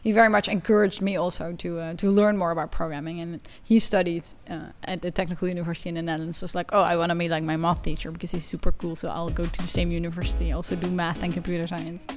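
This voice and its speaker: A woman's voice: fairly low pitch, flat delivery, fast, few pauses, faint music behind. A woman whose first language is not English, explaining her research with enthusiasm in an interview. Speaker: guest researcher. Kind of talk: conversational interview.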